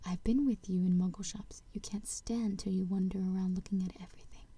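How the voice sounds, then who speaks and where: The voice is soft-spoken. Its pace is moderate. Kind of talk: fanfiction read aloud.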